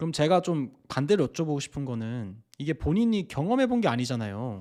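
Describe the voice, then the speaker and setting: This man has a fairly high pitch that swings very widely. He talks at a fairly quick pace on a very clean recording with a silent background. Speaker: online mentor and engineering lecturer. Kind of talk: mentoring session, casual advice chat. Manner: frank, somewhat sharp tone.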